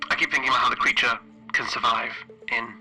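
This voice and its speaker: A man playing a weary, frightened spaceship engineer in a solo role-playing game, recording a halting, hesitant audio log. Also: mid-range voice, flat delivery, bright, forceful tone, husky, rough recording. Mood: uneasy, haunted. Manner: hesitant, halting, broken phrasing.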